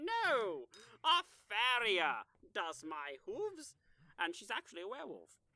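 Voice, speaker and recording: Using a put-on character voice, a man speaks at high pitch with long, frequent pauses. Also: moderate pace. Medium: audio drama. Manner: genteel, old-fashioned politeness.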